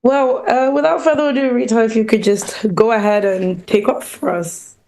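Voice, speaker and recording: A woman hosting a casual online talk show over a video call, her voice a bit croaky and hoarse, chatty and apologetic. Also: on the high side, fairly even intonation, normal speed, darkish tone, poor audio. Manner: apologetic, chatty, laughs between phrases.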